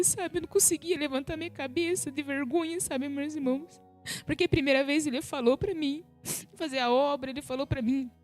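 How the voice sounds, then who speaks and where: A woman giving an emotional spiritual testimony on a live stream, often turning to her listeners as brothers and sisters. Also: high voice. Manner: emotional retelling, repeats "sabe, meus irmãos". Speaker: guest giving a religious testimony.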